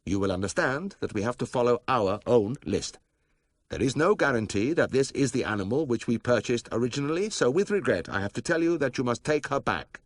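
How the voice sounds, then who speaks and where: A man's voice: medium pitch, lively intonation, dry recording, clean studio sound, pitched above the performer's own voice, natural voice. A man voicing a proud, stern middle-aged vet who speaks formally. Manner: formal, measured, unbending.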